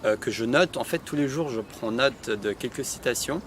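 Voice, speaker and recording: Relaxed French-speaking man vlogging. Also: mid-range voice, moderate pace, slight background noise. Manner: relaxed, spontaneous, frequent filler hesitations. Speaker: personal development vlogger. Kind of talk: improvised casual talk to camera.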